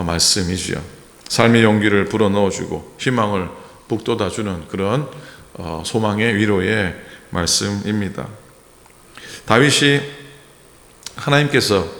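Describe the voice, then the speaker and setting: A man from Gyeongsang preaches to his congregation, his low voice carrying a long, ringing reverb. He builds to earnest emphasis and stops now and then on hesitant fillers, recorded in a roomy church sanctuary. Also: a bit bright. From Gyeongsang, South Korea. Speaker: pastor. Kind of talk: sermon. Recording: echoey church hall.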